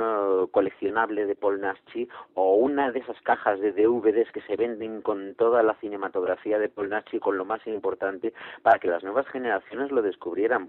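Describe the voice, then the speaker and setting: Over a tinny, dry phone line, a Spanish actor is interviewed as a guest, his voice fairly low. He sounds hesitant yet earnest, using many filler sounds.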